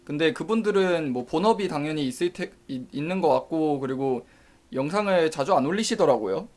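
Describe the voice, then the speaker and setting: A man's voice: on the high side, animated, a little fast, darkish tone. A man streaming live, reasoning aloud about reviewing novels, often stopping to correct himself and answer chat. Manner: reads and answers viewer chat; says he doesn't use a dialect.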